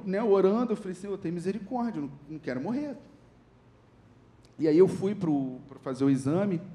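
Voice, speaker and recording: A man's voice: medium pitch, warm tone. A young Brazilian man giving a sermon testimony, telling a story and acting out the dialogue in it. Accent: Brazilian Portuguese. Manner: storytelling, acts out dialogue with rising voice. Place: church. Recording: echoey church hall with faint ambience.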